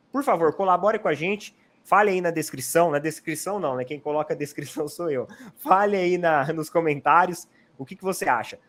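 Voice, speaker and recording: A chatty man hosts a relaxed football talk, explaining his views at length. His voice sits a bit high for a man. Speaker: channel host, Palmeiras fan. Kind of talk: casual football chat.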